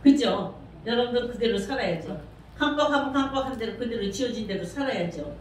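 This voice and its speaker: Woman pastor preaching, kinda high voice, asks the room questions, big echo from far off. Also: expressive, a little fast, darkish tone, a little hiss or hum. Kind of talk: sermon. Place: church sanctuary. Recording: very echoey church from far off.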